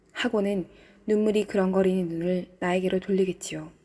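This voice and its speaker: At a moderate pace, a woman talks with a dark, mellow tone, medium pitch and fairly even intonation. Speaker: voice actor. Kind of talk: audiobook reading. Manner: precise pronunciation.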